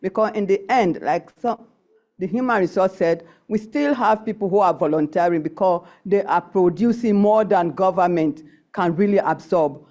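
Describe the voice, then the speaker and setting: A middle-aged woman, a nurse and council member, giving an impromptu comment at a conference session in a deliberate, emphatic, halting way. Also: mid-range voice, dark tone.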